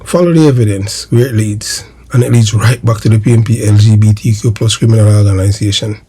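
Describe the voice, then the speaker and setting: A Jamaican man who hosts a political history video channel delivers emphatic, declamatory commentary to his viewers, repeating phrases for effect. His fairly low, mellow, slightly rough voice stays fairly even in intonation and moves at a brisk pace.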